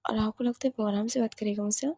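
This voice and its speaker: A woman's voice: fairly high pitch, fairly even intonation, fast, warm tone, no echo, clean studio sound. Woman voicing a hot-tempered college girl. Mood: angry. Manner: blunt, confrontational. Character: hot-tempered young female college friend.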